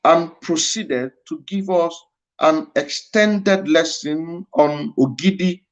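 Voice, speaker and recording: A man with a Nigerian Igbo accent lectures in a high voice, drawing each phrase out slowly. He hammers his points home by repeating lines. The stream audio sounds dull and lo-fi. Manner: emphatic, repeats phrases for weight. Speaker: speaker at a livestreamed address. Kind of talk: impassioned lecture.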